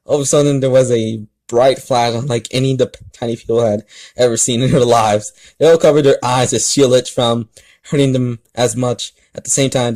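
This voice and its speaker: A man in a casual, halting vlog style, rambling and restarting as he hosts a fan fiction reading. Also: mid-range voice, darkish tone.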